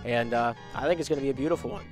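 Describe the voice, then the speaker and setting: A young man doing live esports play-by-play, hoarse from a week of illness, his voice sometimes cracking, rising with energy on shots and goals. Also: mid-range voice, racing, soft background music.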